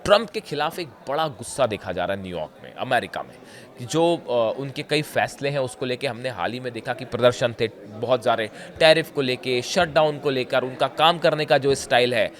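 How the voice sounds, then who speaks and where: Hoarse man giving news commentary. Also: medium pitch. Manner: conversational, often says "dekhiye", frequent filler pauses. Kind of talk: explanatory news commentary to viewers.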